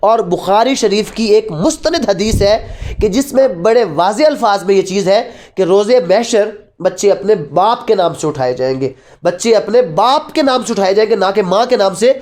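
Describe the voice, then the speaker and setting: A woman's voice: medium pitch, expressive, moderate pace, darkish tone. A woman with a Pakistani accent giving an explanatory lecture as a teacher, repeating key phrases and posing rhetorical questions in a didactic way. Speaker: law teacher. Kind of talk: explanatory law lecture mixing Urdu and English.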